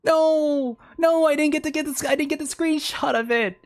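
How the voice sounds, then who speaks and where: A woman's voice: sits high, normal speed. A woman livestreaming a game with casual, rambling, exclamatory commentary. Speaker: game streamer.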